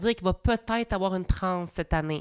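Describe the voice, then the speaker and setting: A woman speaks with a Quebec accent and ordinary pitch variation. The sound is dry and close with no echo, on a very clean recording with a silent background. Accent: Québécois French. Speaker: reality TV contestant. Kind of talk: casual chat.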